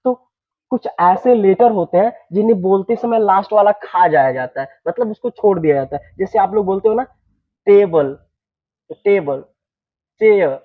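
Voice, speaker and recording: The sound is tinny and phone-like, carrying a male teacher's high voice as he runs an English class. He comes from eastern Uttar Pradesh, India, and his Hindi has a Bhojpuri tinge. He repeats phrases, makes sure the students are following, and eases his pace on English sentences.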